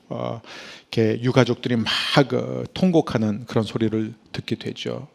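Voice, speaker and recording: A middle-aged male pastor preaching a sermon, swinging from hushed whispers to loud, emphatic bursts. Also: medium pitch, vocal fry.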